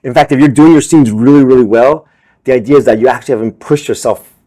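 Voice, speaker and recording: A Vietnamese-born man raised in America, a film director and teacher, answering interview questions in an earnest, animated way with many repeated words. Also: mid-range voice, fast, poor audio. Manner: earnest, animated, repeats words and says "you know" often.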